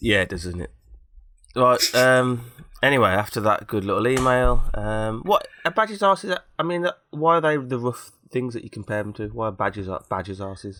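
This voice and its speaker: A man with a British accent speaks in a bright, sharp tone with lively intonation. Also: medium pitch for a man, moderate pace, very clean recording, silent background. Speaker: podcast host. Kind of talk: casual chat.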